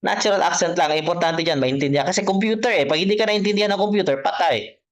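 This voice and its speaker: A man's voice: high-pitched, quick pace. A man giving a private online exam-prep lesson, explaining patiently, repeating each point and checking in with his student. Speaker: test prep tutor. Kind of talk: private online tutoring session.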